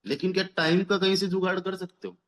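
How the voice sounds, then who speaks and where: A network marketing team leader in his thirties makes a fast, persuasive motivational business pitch. He repeats phrases for emphasis and mixes English words into his Hindi.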